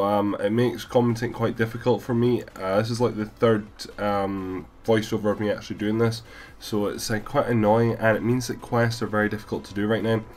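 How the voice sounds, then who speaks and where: A man with a deep voice and a cold, rambling casually through a gameplay voiceover with many fillers. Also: a little mellow. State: has a cold, stuffy. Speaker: gaming YouTuber.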